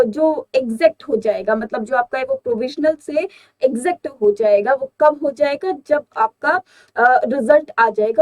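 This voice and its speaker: High-voiced woman teaching vocabulary. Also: low-quality recording. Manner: explains step by step, asks and answers her own questions; reads English example sentences slowly and deliberately. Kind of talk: exam-prep vocabulary lesson.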